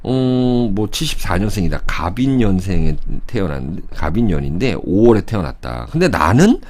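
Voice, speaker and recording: Low-voiced man in his fifties, animated casual lecturer, thinks aloud and asks rhetorical questions. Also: normal speed. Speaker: saju fortune-telling lecturer.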